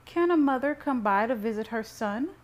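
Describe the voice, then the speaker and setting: A woman's voice: on the high side, expressive, normal speed, pitched above the performer's own voice, natural voice. Woman voicing a cloying, leering, meddling mother. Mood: falsely sweet. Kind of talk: audiobook character reading.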